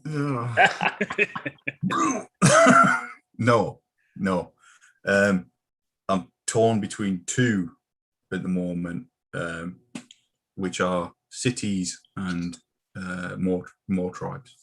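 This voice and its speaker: Man, deep voice, husky tone, casual hobby chat, hesitant. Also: wildly swooping pitch, drawn-out words, pauses often, bright, forceful tone. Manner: hesitant, many ums. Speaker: podcast co-host.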